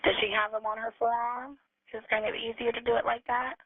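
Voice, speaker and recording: A woman's voice: a little high, little pitch movement, quick pace, gravelly, dry recording. A woman working as an emergency dispatcher, asking questions and giving procedural instructions over a tinny phone line. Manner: procedural, directive.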